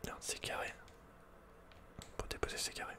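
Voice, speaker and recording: A man whispering casual, slangy, playful game commentary in a breathy ASMR style, close to the microphone. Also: normal speed. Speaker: ASMR video game player.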